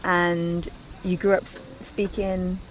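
A woman host conducts a casual interview outdoors in a village, asking short questions and nudging her guest along. The field recording carries clear background noise: clicks, animals, and insects. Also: lowish voice, level tone, takes it slowly, low-quality recording. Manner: encouraging, short prompts like "uh-huh".

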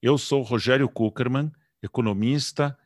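A man who hosts a podcast as a rabbi, opening with a measured scripted intro and then asking questions. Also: medium pitch, dry recording, studio quality.

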